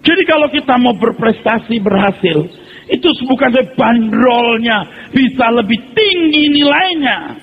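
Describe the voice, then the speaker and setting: A man preaching a sermon from a church pulpit, talking to the congregation with rhetorical questions and moving between loud exhortation and quiet confession. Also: very high voice, animated, unhurried, gravelly, husky. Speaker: pastor. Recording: tinny phone-like sound with long hall reverb and faint music.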